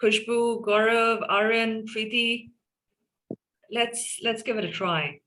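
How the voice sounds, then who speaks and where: A woman's voice: on the high side, fairly even intonation, slow, fairly bright tone. A woman with an Indian accent moderating an online meeting, encouraging participants to speak up. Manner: encouraging, prompts participants by name. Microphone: video call.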